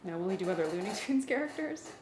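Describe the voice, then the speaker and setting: A woman's voice: mid-range voice, expressive, fast, echoey room, noisy background. A woman chatting casually as a working musician at a rehearsal, asking practical questions.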